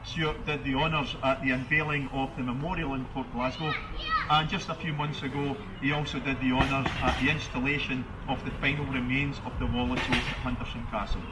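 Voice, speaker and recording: A man introducing speakers at an outdoor commemoration, with a measured, ceremonial delivery. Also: medium pitch, level tone. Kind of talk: formal outdoor address. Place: outdoors at a public gathering. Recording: distant mic, loud outdoor noise.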